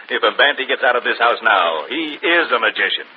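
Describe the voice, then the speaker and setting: Actor as smug skeptic, lively swooping delivery, muffled hissy radio. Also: male voice, medium pitch, normal speed, lightly acted. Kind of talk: 1940s radio acting. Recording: dull old radio recording with hiss.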